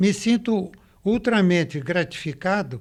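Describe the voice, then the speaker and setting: A high male voice with lively intonation, on a very clean recording with a silent background. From Brazil, Minas Gerais (Juiz de Fora). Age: 80s+. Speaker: retired economist and former politician. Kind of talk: interview.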